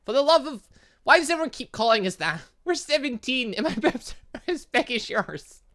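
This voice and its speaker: A man's voice: very high-pitched, big pitch swings, brisk, bright, forceful tone, voice pushed up, exaggerated voice. A man voicing a brash, cheeky seventeen-year-old girl in a visual novel, mouthy and indignant. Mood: exasperated.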